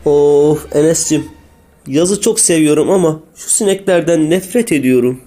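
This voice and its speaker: A man's voice: a little high, normal speed, warm tone, faint music behind, close to an everyday voice. A man voicing a kindly, curious school teacher in a comic cartoon, asking leading questions fondly. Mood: exasperated. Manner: addresses pupils fondly, asks leading questions. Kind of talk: scripted comic cartoon dialogue.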